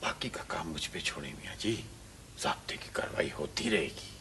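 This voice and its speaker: Slow, deep-voiced, menacing Pakistani schemer. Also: male voice, lively intonation, slight background noise, exaggerated voice. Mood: cold insistence. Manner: softly taunting, falsely respectful, often dropping toward a whisper. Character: menacing, scheming man with mock-deferential politeness. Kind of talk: Pakistani television drama acting. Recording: old TV drama soundtrack with music.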